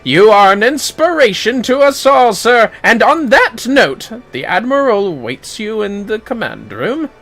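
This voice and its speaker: A man's voice: high-pitched, big pitch swings, a little slow, hardly any pauses, fairly bright tone, faint music behind, pitched above the performer's own voice, heavily acted. A man voicing a formal, admiring attendant from a game, earnest and declaiming as he reads the dialogue. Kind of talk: reading game dialogue aloud.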